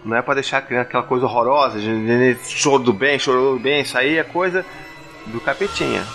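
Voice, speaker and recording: Fast-talking Brazilian dad vlogger. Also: male voice, soft background music. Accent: Brazilian Portuguese. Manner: animated, jumps high when quoting a parent. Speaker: parenting vlogger, father. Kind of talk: casual advice talk to camera.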